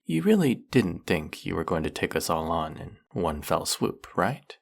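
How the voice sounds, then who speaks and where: Guy voicing a snakey villain, super low and slow, mocking and silky. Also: very animated, creaky, heavily acted. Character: suave snake-headed male villain, teasing and curious. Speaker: voice actor. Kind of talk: audio roleplay.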